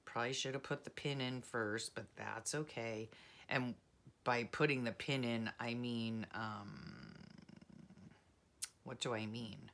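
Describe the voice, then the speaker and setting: Soft-spoken rambling woman, faint hiss. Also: very deep voice, fairly even intonation, slow pace. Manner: soft-spoken, rambling, self-deprecating, many fillers. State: frog in her throat. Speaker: journaling vlogger. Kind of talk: casual rambling chat while crafting.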